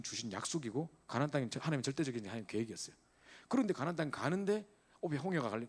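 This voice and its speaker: A middle-aged male pastor preaching an emphatic sermon to a church youth group, asking rhetorical questions and checking in with his listeners again and again. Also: medium pitch.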